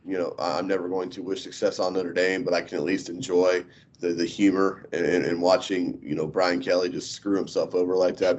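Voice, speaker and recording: Deep-voiced blunt male podcast co-host. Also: a little mellow. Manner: blunt and profane, many filler ums. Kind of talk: casual sports chat. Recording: dull lo-fi podcast audio.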